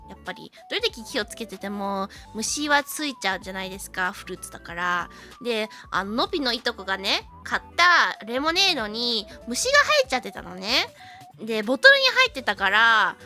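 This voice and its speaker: Woman livestream host, native English speaker, high-pitched and bright, animated bilingual chat. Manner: animated storytelling, switching between Japanese and English. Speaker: VTuber streamer.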